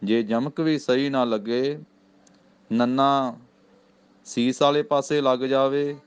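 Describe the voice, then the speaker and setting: Slow, clear-voiced Punjabi man chanting verses. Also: mid-range voice, steady tone. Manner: chants each phrase slowly, then explains in quicker plain speech. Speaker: Gurbani recitation teacher. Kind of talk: slow chanted recitation with pronunciation teaching. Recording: slightly dull, lo-fi recording.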